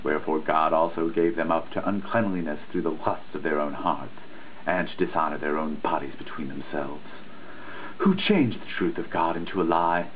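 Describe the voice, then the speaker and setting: A man giving a dramatic reading of a written text in a measured, declamatory, emphatic manner. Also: low voice. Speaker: reader, host of a reading series. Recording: muffled phone-like sound, faint noise.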